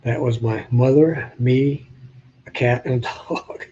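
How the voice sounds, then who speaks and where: An older man from New Hampshire with a slight Southern drawl chats with his live-stream viewers and jokes with them. His voice is dark and a little husky. The sound is dull and slightly lo-fi. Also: mid-range voice, fairly even intonation, slow. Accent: Southern US with New England traces. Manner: chatty, joking, talks to viewers in chat. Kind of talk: casual live-stream chat showing old photos.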